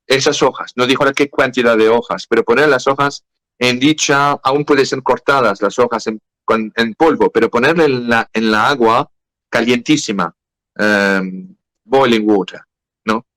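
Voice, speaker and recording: A man with a French accent speaking Spanish as a second language in a podcast interview, halting and searching for words. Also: mid-range voice, a bit bright, no room sound, low-quality recording. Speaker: guest.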